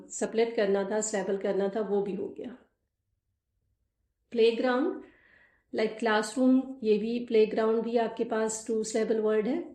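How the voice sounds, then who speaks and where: Mellow-voiced woman teaching in an echoey room. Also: on the high side. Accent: Pakistani. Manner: slow, deliberate explanation, mixing Urdu with English terms. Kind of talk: classroom lesson explaining English grammar.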